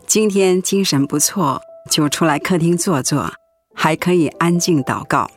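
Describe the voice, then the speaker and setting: A woman playing a gravely ill middle-aged Christian mother in a radio drama, speaking gently, earnestly and consolingly. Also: low-pitched, unhurried, faint music behind. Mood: calm. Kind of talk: Mandarin radio drama acting.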